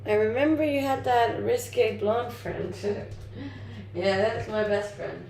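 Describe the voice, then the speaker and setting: A woman's voice: fairly high pitch, takes it slowly, creaky, a little mellow. A young woman from Denmark, a native Danish speaker, chatting informally on a livestream as she reads and answers viewer comments. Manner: informal, conversational. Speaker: livestream host, content creator. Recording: roomy echo, faint background noise.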